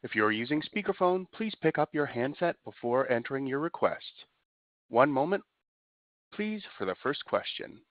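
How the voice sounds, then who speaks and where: A man with a mid-pitched voice works as a conference call operator. He delivers scripted instructions formally and procedurally. The sound is dry and squeezed through a phone line. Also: big pitch swings, normal speed, no room sound.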